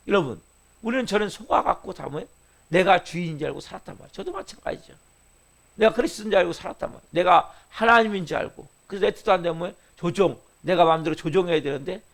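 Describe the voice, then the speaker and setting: A male pastor preaching an early-morning sermon, firing rhetorical questions at the congregation and swinging between loud emphasis and soft asides. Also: high voice, gravelly.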